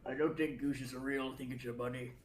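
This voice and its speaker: A man in a roomy, slightly noisy recording chats as a tabletop game player. His voice is mid-pitched and casual. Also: flat delivery, fast talker.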